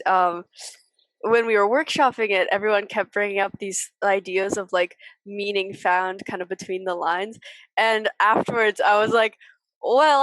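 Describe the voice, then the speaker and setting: A woman's voice: mid-range voice, a bit bright, no echo, low-quality recording. A young woman co-hosting a podcast in casual conversation, tentative, sprinkling in "like" and "kind of". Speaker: podcast co-host.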